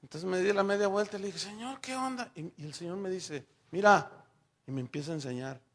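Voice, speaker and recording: Man, older, Mexican accent, pastor, sermon, gravelly, high voice, animated storyteller. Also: fast talker. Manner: animated storytelling, acting out dialogue in raised voices. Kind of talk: sermon with personal anecdotes.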